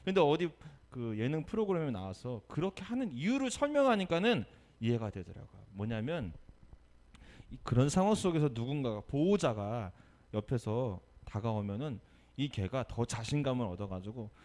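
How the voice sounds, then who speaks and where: A male pastor giving a Sunday sermon, telling a story with lively energy and asking the congregation questions. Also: medium pitch, moderate pace. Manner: animated storytelling, acting out quotes.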